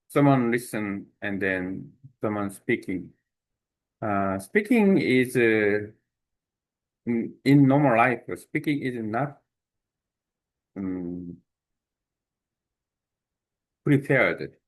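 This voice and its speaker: Slow, halting Korean-accented man. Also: on the low side. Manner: halting, many fillers and restarts. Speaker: language exchange speaker. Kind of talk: unscripted talk to camera.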